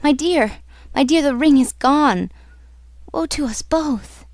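A woman's voice: high voice, animated, normal speed, vocal fry, darkish tone, dry recording. A woman voicing a fearful, earnest young female opera singer in a dramatic, pleading manner for a storybook. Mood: despairing.

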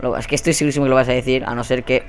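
Excitable Spanish-accented gamer man. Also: mid-range voice, very fast, clear, resonant tone. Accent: Spain Spanish. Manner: excitable and profane, bursting into shouts. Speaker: gaming YouTuber. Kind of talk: live gameplay commentary.

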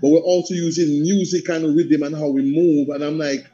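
A Jamaican man speaks passionately in a fairly high but mellow voice, slipping into patois with a rhythmic delivery. He is a guest on a video call, and the sound is a little dull. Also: normal speed, slight background noise. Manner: animated, rhythmic, slips into patois. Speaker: panel guest, theatre practitioner and coach. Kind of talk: passionate conversational talk. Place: indoor room at home on a video call.

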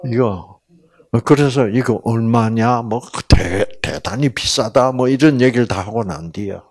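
A man's voice: medium pitch, unhurried. A man giving a Bible lecture in storytelling style, asking the audience questions and acting out the people in his story. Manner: animated, acts out voices in dialogue.

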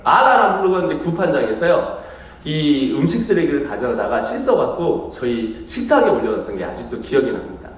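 A man from the Chungcheong region preaching at a rally, moving from light banter with the crowd to earnest storytelling. His delivery is animated and a touch high. His voice booms through a large echoing hall from a distance. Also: a little fast. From South Korea, Chungcheong region. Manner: joking, then earnest storytelling. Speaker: missionary preacher. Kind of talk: sermon at an evangelistic rally. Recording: echoey hall from far off.

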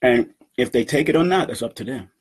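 Man in his 50s, husky voice, animated, laughing, webcam in a home room. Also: mid-range voice, a little fast. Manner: animated, laughing, boastful, talks with his hands. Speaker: event organizer and numerology teacher. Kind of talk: casual talk to camera. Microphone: webcam at desk.

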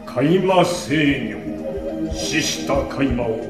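A man's voice: mid-range voice, lively intonation, drawn-out words. A man playing a solemn spirit of a spell in a radio drama, intoning ceremonially. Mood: solemn, ominous. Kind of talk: Japanese radio drama acting. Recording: echoing, distant voice under loud music.

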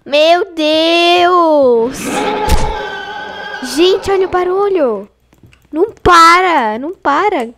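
A young Brazilian woman giving casual let's-play commentary, excitable and scared, chatting to her viewers. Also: very high-pitched, drawn-out words, pauses often, noisy background. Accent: Brazilian Portuguese. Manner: excitable, frightened exclamations and chatty asides to viewers. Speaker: gaming channel host.

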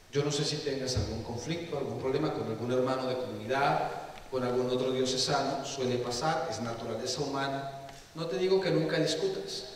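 A man's voice: on the high side, a little hiss or hum. A man preaching a sermon to a live congregation, impassioned and putting questions straight to the listeners. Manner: impassioned, questions the audience directly. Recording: echoey hall, voice from a distant mic.

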